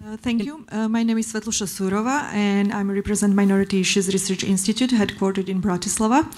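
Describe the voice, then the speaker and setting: A woman's voice: mid-range voice, quick pace, darkish tone. A woman from Serbia in the audience at a forum, asking the panel a hesitant question with many fillers.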